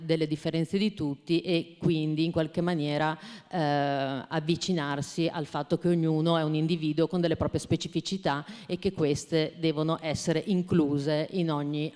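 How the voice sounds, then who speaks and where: A woman's voice: low voice, a little mellow, clean tone. Woman speaking in an echoing hall. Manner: hesitant, many fillers and restarts. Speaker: guest speaker, children's book trainer. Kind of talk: university talk with a read-aloud. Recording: long hall reverb.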